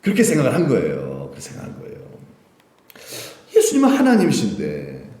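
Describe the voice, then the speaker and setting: A male pastor preaching a Sunday sermon, animated and full of rhetorical questions to the congregation. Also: mid-range voice, fairly quick. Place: church sanctuary. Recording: roomy church echo.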